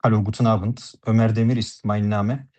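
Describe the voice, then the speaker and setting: Mellow-voiced man, formal and polite. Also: on the low side, fairly even intonation, brisk. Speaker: doctor taking a patient history. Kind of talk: role-played doctor-patient practice talk.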